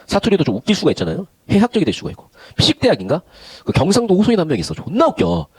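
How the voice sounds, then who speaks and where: A man's voice: sits high, huge pitch swings, racing, darkish tone, breathy edge. A man teaching Korean literature in an online lecture. He talks in a chatty way and moves between polite and casual speech. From Gyeongsang region of Korea.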